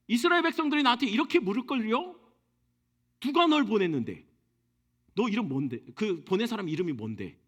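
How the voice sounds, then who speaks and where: A man's voice: very high voice, fairly bright tone, full character voice. A man voicing Moses as a stubborn, whiny man who keeps making excuses and pleading. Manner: pleading and argumentative.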